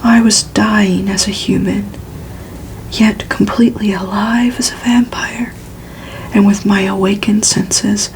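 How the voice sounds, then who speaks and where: Woman doing asmr story reading, breathy unvoiced whisper, slow n even, bit of background noise. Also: mid-range voice, poor audio. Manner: unhurried, soft, soothing delivery. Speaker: ASMR narrator reading a novel aloud.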